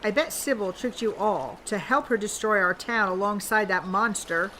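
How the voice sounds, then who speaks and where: A woman's voice: medium pitch, moderate pace, bright, forceful tone, a little hiss or hum, natural voice, low-quality recording. A woman playing a suspicious, self-righteous townswoman in an audio drama, indignant and accusatory. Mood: indignant, accusing.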